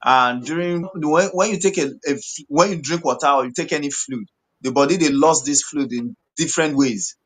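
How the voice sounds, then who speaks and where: A man with a West African accent answering health questions as a doctor, explaining in mixed Pidgin and English in a halting, repetitive, reassuring way. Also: on the high side.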